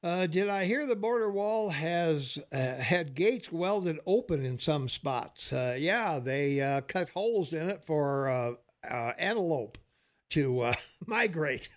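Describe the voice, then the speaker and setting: Halting retired man hosting radio. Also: on the high side, lively intonation. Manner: halting, many uhs, reads listener texts aloud. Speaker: radio co-host. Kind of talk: casual talk radio banter.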